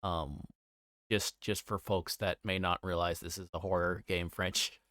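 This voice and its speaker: A man livestreaming, reading a visual novel aloud and chatting casually to viewers with halting, rambling asides. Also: low voice, little pitch movement, fairly bright tone, no room sound, studio quality.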